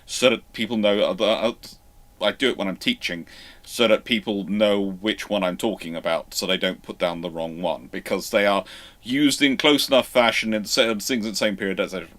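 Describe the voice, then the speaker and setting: A man hosting an informal live question-and-answer stream, explaining in a rambling, halting way with repeated false starts. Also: on the low side, fairly bright tone. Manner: over-careful emphasis on some words. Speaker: host of live naval history Q&A stream.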